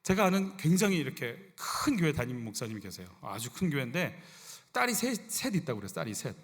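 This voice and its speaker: A middle-aged male senior pastor preaching a sermon, animated and conversational, often asking the congregation rhetorical questions. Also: mid-range voice, fast. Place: church sanctuary. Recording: church hall reverb.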